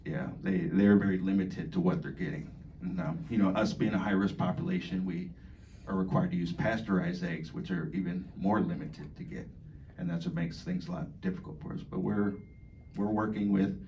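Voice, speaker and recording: A man on the dining staff giving an informal talk to residents, halting, with many fillers and restarts. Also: sits low, creaky, warm tone. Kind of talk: informal speech to an audience. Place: community hall. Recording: far from the mic, faint background noise.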